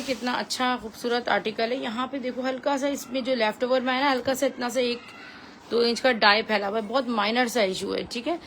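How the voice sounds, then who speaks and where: A woman with a Pakistani accent giving a chatty, repetitive live sales pitch as a clothing seller, mixing in English phrases. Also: fairly bright tone, slight background noise, low-quality recording.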